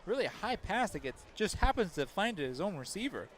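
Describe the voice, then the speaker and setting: A man in a somewhat high register breaks down the plays in loose, chatty commentary, often stopping to restart a thought. A light layer of outdoor noise runs under his voice. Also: sing-song, a little fast. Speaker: color commentator. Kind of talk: local football color commentary.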